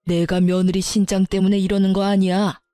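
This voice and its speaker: A woman's voice: mid-range voice, little pitch movement, a little fast, no echo, close to an everyday voice. A woman voicing a furious older father-in-law. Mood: stern. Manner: berating, shouting insults. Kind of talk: dramatized story reading.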